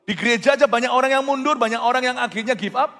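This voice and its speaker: A male pastor preaching a sermon in an animated, emphatic way, telling stories and slipping in English phrases. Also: very high-pitched, rapid-fire. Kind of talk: sermon with storytelling. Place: church. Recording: reverberant church hall with faint music.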